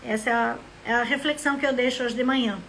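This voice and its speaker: A woman from southern Brazil talks casually on a live stream, her voice sitting high in her range. She speaks in a rambling, reflective way and greets viewers by name as their comments come in. There is a faint hum of noise behind her. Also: steady tone, quick pace, a bit bright, poor audio. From Rio Grande do Sul, Brazil. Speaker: live stream host, member of a literary academy.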